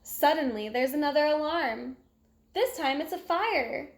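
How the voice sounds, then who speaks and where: Female storyteller for a children's picture book, high voice, expressive delivery, echoey room. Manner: animated, exclamatory, acts out sound effects. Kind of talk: expressive children's read-aloud narration.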